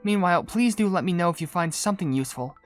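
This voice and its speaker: Composed female perfumer for a fantasy game, woman actor: low, soft-spoken, polite, faint music behind. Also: expressive, fast talker, close to an everyday voice. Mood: gently explaining. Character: gentle, composed adult female cookie perfumer. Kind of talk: video game voice acting.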